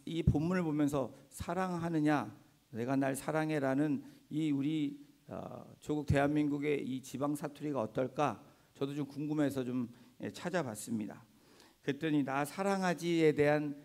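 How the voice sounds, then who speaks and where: A middle-aged male pastor giving a Sunday sermon in a church, telling stories gently and often affirming himself with "ye". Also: medium pitch, vocal fry. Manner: gentle storytelling with frequent "ye" affirmations. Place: church sanctuary.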